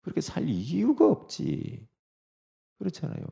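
A middle-aged man preaches to his congregation with a gravelly, dark tone. His pitch moves a great deal, and he shifts from quiet asides to loud, pressing exhortation. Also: measured pace. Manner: animated, swings between soft asides and loud exhortation. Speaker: pastor. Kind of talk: sermon.

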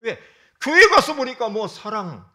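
A man's voice: very high-pitched, sing-song, measured pace, bright, forceful tone. A man preaching a sermon as pastor, emphatic, often throwing rhetorical questions at the congregation.

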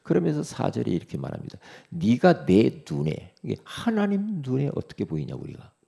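A male pastor preaching a sermon, speaking God's promises directly to the listener in intimate, familiar address, swinging from loud exhortation to near whispers. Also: medium pitch, wildly swooping pitch, normal speed. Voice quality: gravelly, husky.

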